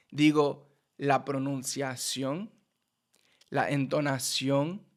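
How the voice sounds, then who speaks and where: Slow-talking Puerto Rican-accented man. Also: a little high, fairly bright tone. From United States. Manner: slow, repeats and restarts words while explaining. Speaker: Spanish teacher. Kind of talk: casual teaching to camera.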